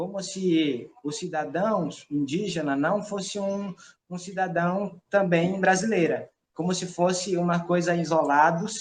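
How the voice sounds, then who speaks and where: A high-pitched man at a fairly slow pace, with fairly even intonation. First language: Tikuna (speaking Portuguese). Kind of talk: talk in a live video conversation. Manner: halting, frequent self-corrections.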